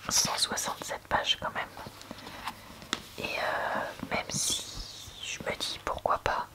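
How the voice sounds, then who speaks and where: A woman speaking in a soft, breathy library whisper, chatting casually and hesitantly in an ASMR book review. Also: slow pace. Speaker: book reviewer, host of a reading channel.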